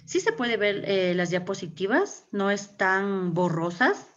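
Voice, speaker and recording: A woman's voice: mid-range voice, very animated, unhurried. A woman teaching English grammar in Ecuadorian Spanish during an online class, explaining step by step and checking in with "okay?". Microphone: computer mic on a video call. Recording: dull lo-fi video call audio.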